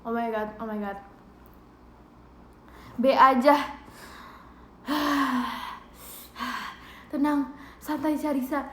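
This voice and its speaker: A young woman with an Indonesian accent, chatting playfully and with lots of giggles as she hosts a home livestream. Her voice sits high and bright. The room adds a roomy echo. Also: very slow, pauses often, slight background noise. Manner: playful, giggly, reads out viewer gifts. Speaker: idol livestream host. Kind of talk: casual livestream chat to viewers. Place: bedroom at home.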